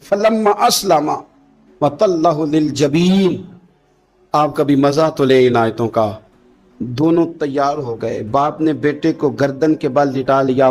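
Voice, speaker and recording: High-voiced impassioned male preacher. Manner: impassioned, rising to shouts, slowly intones scripture. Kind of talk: dramatic storytelling sermon.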